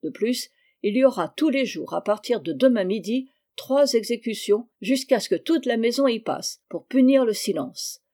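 A woman's voice: a little high, expressive, normal speed, mellow. A woman reading an audiobook, voicing a cruel, stern male school director who coldly hands down punishments. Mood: severe. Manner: cold, pronouncing sentences.

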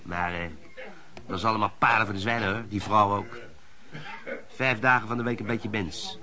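An actor in a Dutch radio play voicing a knowing, streetwise veteran lodger, talking in a wry, confiding, colloquial way. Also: male voice, on the low side, fairly even intonation, normal speed, bright, forceful tone. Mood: wry, amused.

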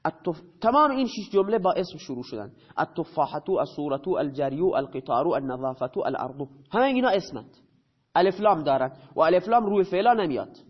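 A man teaching a grammar lesson. He asks his own questions and answers them, and he repeats key terms slowly. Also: fairly high pitch, very animated, slightly rough. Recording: dull lo-fi recording.

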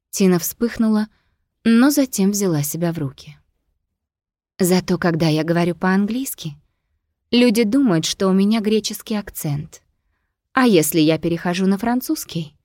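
Woman reading an audiobook, low voice, dry close mic. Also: darkish tone, no room sound. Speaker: audiobook narrator. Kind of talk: scripted narration of a novel.

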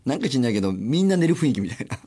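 Lively-pitched man chatting on radio. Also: husky. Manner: chatty, acts out others' lines in quick voices. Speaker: radio host. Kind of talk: solo radio talk.

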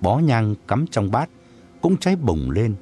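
A man narrating a story in an expressive, dramatic reading. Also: on the low side, measured pace, soft background music. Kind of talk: audiobook narration.

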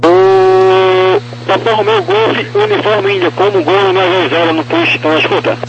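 Man over two-way radio, high gravelly voice, clipped procedural calls, dull lo-fi sound with static hiss. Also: huge pitch swings, moderate pace. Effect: heard over a two-way radio. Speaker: airport radio controller. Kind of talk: terse radio phraseology.

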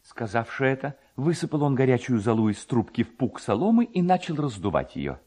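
A male narrator reading literary prose dramatically. His voice sits at an average pitch and moves through wide, animated intonation as he tells the story. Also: brisk.

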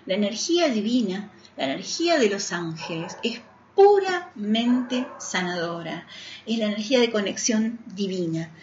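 A woman's voice: medium pitch, big pitch swings, normal speed, darkish tone, a little hiss or hum. Woman, Argentine accent, radio host, earnest and persuasive, roomy echo, muffled AM sound. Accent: Argentine Spanish. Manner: earnest, persuasive, addresses the listener directly. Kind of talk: spiritual radio talk. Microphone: studio radio mic. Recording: roomy, dull AM radio broadcast.

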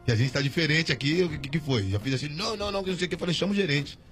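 A man's voice: fairly high pitch, very fast, a bit bright, faint music behind. A man, a guest on a radio show, telling a story in slangy casual talk with many restarts.

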